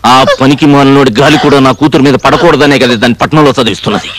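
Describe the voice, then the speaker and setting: A man's voice: medium pitch, fairly even intonation, racing, lightly acted. An actor playing a middle-aged village father who blusters and coaxes by turns, in film dialogue. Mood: blustering. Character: doting village father, gruff yet affectionate.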